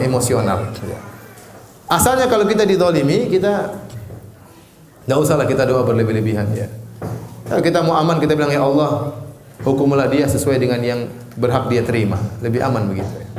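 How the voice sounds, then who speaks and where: A man's voice: fairly high pitch, darkish tone, roomy sound, slight background noise. A middle-aged man with an Indonesian accent giving a study lecture as a preacher, often asking the audience questions and answering them himself, joking as he acts out angry prayers. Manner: jokes and laughs while acting out angry prayers.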